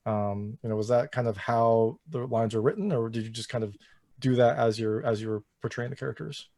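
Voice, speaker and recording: A man's voice: medium pitch, brisk, mellow, no room sound, clean studio sound. A man interviewing actors in a casual chat, rambling and using many filler phrases as he asks questions. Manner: rambling, heavy use of "you know".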